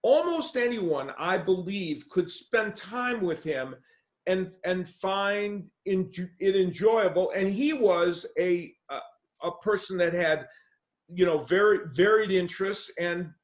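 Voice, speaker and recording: A man's voice: high voice, slow. A man hosting an interview, casually rambling and restarting his questions as he goes. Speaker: interviewer and host. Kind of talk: conversational interview. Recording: roomy echo.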